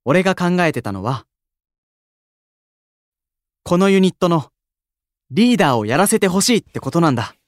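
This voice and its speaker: Casting: a gentle, earnest young leader with a lively, expressive delivery. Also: male voice, on the high side, normal speed, pauses often, no room sound, studio quality. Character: earnest kind young male idol leader. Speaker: unit leader, station-worker idol. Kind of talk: anime-style voice drama acting.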